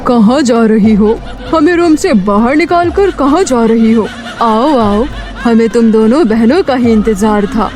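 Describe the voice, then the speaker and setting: A woman's voice: a little high, a little mellow, faint music behind, natural voice. A woman playing a vengeful ghost schoolteacher in a horror cartoon, with menacing declarations. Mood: menacing, eager. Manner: menacing, slow declarations, repeated demands. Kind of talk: dramatic horror cartoon voice acting.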